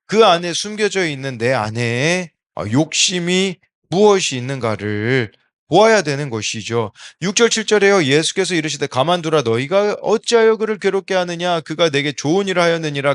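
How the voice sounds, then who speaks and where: Lively Korean pastor preaching. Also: male voice, a little high. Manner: lively preaching voice, asks the congregation questions; reads scripture verses aloud within the talk. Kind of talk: early-morning devotional sermon.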